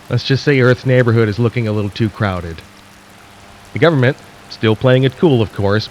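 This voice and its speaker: An actor playing a skeptical, uneasy radio host in a radio drama, talking wryly and conspiratorially with dramatic pauses. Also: male voice, fairly low pitch, slight background noise, natural voice, rough recording. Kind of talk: radio drama broadcast monologue.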